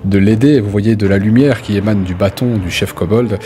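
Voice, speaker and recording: A man's voice: on the low side, normal speed, warm tone. A man improvising vivid, casual narration as the game master of a tabletop role-playing game. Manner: vivid descriptive storytelling with casual asides.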